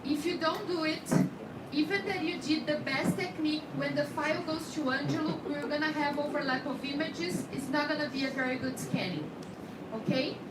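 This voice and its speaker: A woman's voice: high voice, normal speed. A woman from Brazil with a Brazilian accent and Portuguese as her first language, giving a hands-on technical demonstration and often checking that trainees follow. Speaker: instructor in dental scanning. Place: indoor training room with background noise. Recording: echoey room, distant mic, heavy noise.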